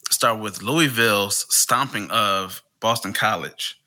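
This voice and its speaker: A man co-hosting a sports podcast with a smooth, easygoing and slightly hesitant delivery. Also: on the low side, slow pace, bright, forceful tone. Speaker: podcast co-host. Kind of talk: casual sports talk.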